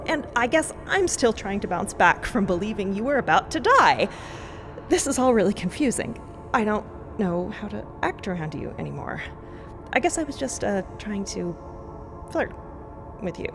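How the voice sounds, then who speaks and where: A woman's voice: mid-range voice, very animated, normal speed, music in the background. A woman playing a flustered, lovestruck young space explorer in an audio drama, hesitant and incredulous. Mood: nervous, flustered.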